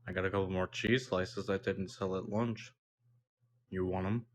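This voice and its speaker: A man acting out a weary pizza shop guy in an audio drama, with a very low voice. He is bored and terse, kind underneath his flat delivery, with music playing behind him. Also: moderate pace.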